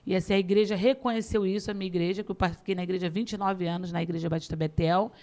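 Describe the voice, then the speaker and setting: A middle-aged woman pastor telling her testimony in a podcast interview, lively and acting out the dialogue, often laughing. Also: fairly low pitch, rapid-fire. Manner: animated storytelling, acts out dialogue, laughs often.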